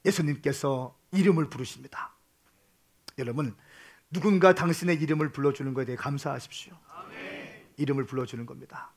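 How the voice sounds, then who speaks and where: A male pastor preaching a sermon, swinging between shouts and soft hushed tones, repeating phrases and calling for amens. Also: mid-range voice, a little fast, vocal fry, pauses often.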